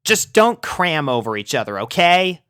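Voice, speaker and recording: A man's voice: a little high, big pitch swings, moderate pace, fairly bright tone, smooth, dry recording, studio quality, pitched above the performer's own voice. A man voicing a brash, tomboyish young female pegasus pony who talks boldly and gets easily exasperated. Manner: bold, exasperated.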